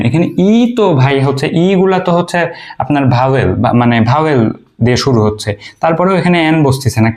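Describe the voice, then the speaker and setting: A man from Bangladesh teaching basic English grammar in an informal video lecture. He explains step by step, pauses often to think, and asks the listener questions that he answers himself. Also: on the high side, a little mellow. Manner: frequent hesitations and fillers while he thinks.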